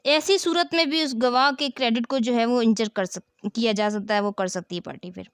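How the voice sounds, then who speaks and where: A woman's voice: on the high side, a little fast, smooth, dry recording, clean studio sound. A woman with a South Asian accent giving an explanatory lecture as a law teacher, didactic, posing questions and answering them, repeating key phrases.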